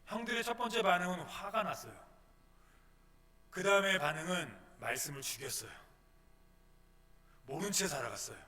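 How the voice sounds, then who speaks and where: A man's voice: high voice, animated, normal speed, long pauses, sharp tone. A male pastor preaching a dramatic sermon in a church, acting out the complaints of the congregation. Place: church sanctuary. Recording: long church-hall reverb.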